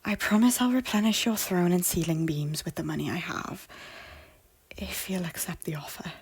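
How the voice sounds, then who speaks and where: A woman playing a guilt-ridden noblewoman in an audio drama, pleading earnestly in formal, theatrical phrases with a breathy, husky voice. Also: lowish voice, moderate pace, no room sound. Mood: earnest reassurance. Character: guilt-ridden, repentant noblewoman and former schemer, earnestly hopeful. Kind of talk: audio drama acting of a Shakespeare-style story.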